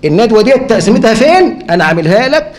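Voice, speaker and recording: Rapid-fire Egyptian male lecturer. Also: high-pitched, big pitch swings. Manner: fires rhetorical questions and answers them himself. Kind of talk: conference lecture. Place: lecture hall. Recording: echoey hall.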